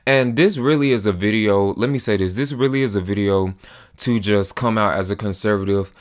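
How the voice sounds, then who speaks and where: A man's voice: fairly low pitch, fairly quick. A man in his twenties talking straight to camera in an earnest, emphatic personal monologue. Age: 20s. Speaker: vlogger.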